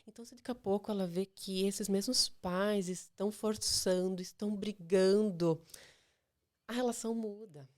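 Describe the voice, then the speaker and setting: A child nutritionist with a Brazilian Portuguese accent speaks as an interview guest in a steady, medium-pitched voice at a moderate pace. She explains things patiently and reassuringly, often ending her points with "tá".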